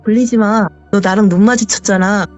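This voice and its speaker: A woman's voice: medium pitch, steady tone, brisk, a little mellow, soft background music, lightly acted. A woman voicing a faceless black shadow-child ghost that teases and mocks with sly questions, over a dull lo-fi call. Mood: taunting. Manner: teasing, questioning, giggling.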